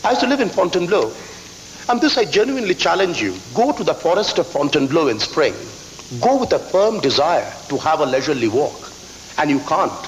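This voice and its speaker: There is noticeable background noise as a man speaks in an Indian accent at a fairly quick pace. His high pitch moves in very wide swings. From India, Calcutta (eastern India). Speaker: business school professor. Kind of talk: lecture. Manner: repetitive, stammering starts.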